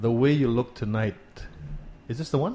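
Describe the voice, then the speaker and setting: A man is speaking. His tone is dark and mellow and somewhat breathy. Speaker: podcast host and TV news anchor. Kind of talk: interview. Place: studio.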